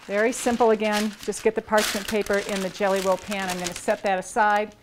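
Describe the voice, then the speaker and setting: A woman's voice: medium pitch, brisk, heavy background noise. A woman in her sixties hosting a cooking demonstration in a large home kitchen, chatting casually as she works with her hands. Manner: relaxed and chatty, talking while working with her hands. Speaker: cooking show host.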